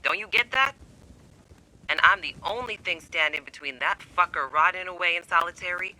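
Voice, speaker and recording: Game role: sardonic fugitive man, fairly high, very bright and forceful, distrustful and needling. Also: moderate pace, low-quality recording. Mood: angry, urgent. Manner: taunting, sardonic, swearing. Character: defiant, suspicious escaped-prison holdout, sardonic man. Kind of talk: video game voice acting.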